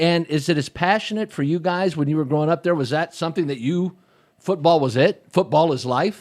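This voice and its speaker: A man's fairly high voice, a plain, everyday voice, at a fairly quick pace with ordinary pitch variation over a quiet background. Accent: American. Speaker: podcast host. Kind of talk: casual chat.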